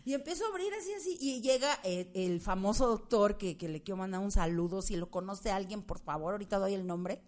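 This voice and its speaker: A woman with a Mexican Spanish accent telling her story in a casual, animated chat and acting out her own past shouts. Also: medium pitch, fairly quick, hardly any pauses.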